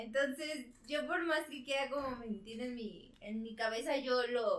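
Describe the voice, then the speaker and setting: A woman speaks at a fairly slow pace in a raised, projected voice with a bright, sharp tone. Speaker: podcast host. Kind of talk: casual chat.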